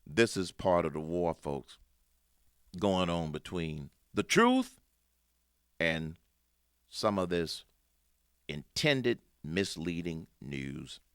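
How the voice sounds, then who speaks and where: A man hosting a talk show, giving opinionated news commentary in a folksy way that swings from loud emphasis to low asides. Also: animated, takes it slowly, pauses often, clear, resonant tone, dry recording, clean studio sound.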